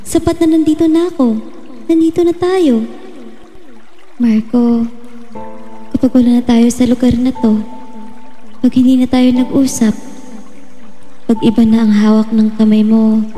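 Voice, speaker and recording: An actress as a young woman in love in an audio drama, with a very dark, velvety, highish voice. She speaks gently and earnestly, soft and steadfast, in long reverb over music. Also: fairly even intonation, measured pace, long pauses, close to an everyday voice. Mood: wistful. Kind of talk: Filipino audio drama acting, intimate dialogue.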